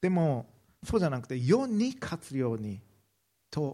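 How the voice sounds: A man at a fairly slow pace, slightly mellow in tone.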